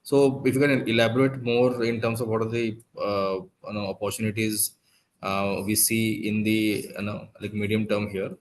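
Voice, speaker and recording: A man with an Indian accent asking questions as an analyst on a conference call, in halting, meandering phrasing. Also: lowish voice, level tone. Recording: noisy conference call line.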